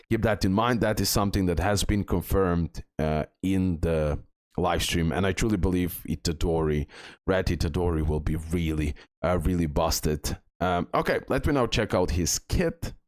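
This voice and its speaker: A man's voice: low voice, normal speed, a little mellow, dry recording, studio quality. A man giving casual game commentary as a video host, rambling and repeating words with many fillers.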